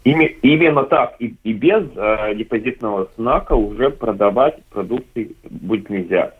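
A man with a fairly low, husky voice comes through a tinny phone line. He explains things haltingly, breaking off and restarting words as he goes. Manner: halting, many fillers and restarts. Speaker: deposit system operator representative. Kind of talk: hesitant explanatory talk on radio.

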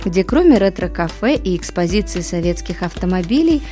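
A woman's voice: fairly low pitch, sing-song, brisk, warm tone. A woman radio presenter reading a scripted programme segment. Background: music.

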